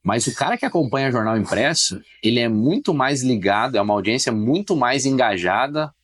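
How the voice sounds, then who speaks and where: On an informal podcast, a man who works as a journalist talks as the guest, his medium-pitched voice rising and falling with lively intonation. He's forceful and opinionated, racing through his anecdotes.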